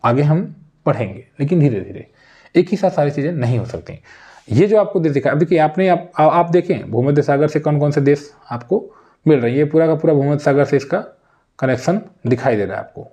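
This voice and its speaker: A man's voice: a little high, animated, a little fast, mellow. A man with a Hindi accent teaching an exam-prep geography lesson on a map, drilling country names again and again and speaking straight to his viewers.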